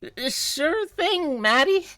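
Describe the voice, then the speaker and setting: High-voiced nervous mothman sidekick for a game , acted by a woman, hesitant yet over-eagerly chipper. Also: sing-song, takes it slowly, pushed and bright, dry recording, heavily acted. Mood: jittery, chipper.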